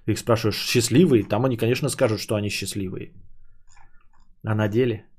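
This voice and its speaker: A man's voice: fairly low pitch, fairly even intonation, darkish tone, slightly rough. Rambling, jokey male podcaster. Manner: jokey, rambling, deliberately mangles words. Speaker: podcast host. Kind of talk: casual solo podcast chat.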